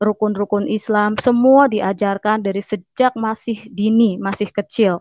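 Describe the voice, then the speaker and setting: Speaking at a fairly slow pace, a woman with a plain, everyday voice keeps her fairly high pitch in fairly even intonation. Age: 40s. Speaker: convert giving testimony. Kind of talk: testimony.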